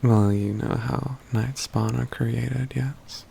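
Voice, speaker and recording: A man acts out an aloof, proud mage companion for an ASMR fantasy roleplay. He speaks very slowly and intimately in a gravelly, creaky voice, with formal, dryly teasing phrasing that often drops to a hush. Faint noise and ambience sit behind him. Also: medium pitch, steady tone. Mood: grave, explanatory. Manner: formal, measured, haughty phrasing with hushed stretches.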